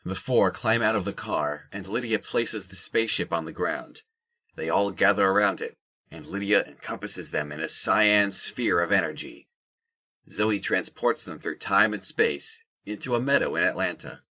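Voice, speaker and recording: A man reads scripted narration for an audio drama. His voice is low and bright, with clear forward projection as he describes the action. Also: normal speed.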